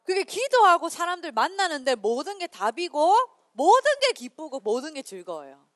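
A woman pastor giving an animated children's sermon, leading the children in repeating lines after her. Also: high-pitched, no echo, clean studio sound. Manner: animated, leads children in repeating lines, reads scripture slowly and loudly. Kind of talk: children's sermon with call-and-response.

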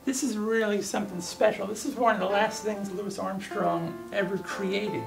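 Male archivist, thirties, eager storyteller with a gravelly creak, slightly distant mic, music underneath. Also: sits high, steady tone, moderate pace. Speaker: archivist and guide. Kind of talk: enthusiastic storytelling interview.

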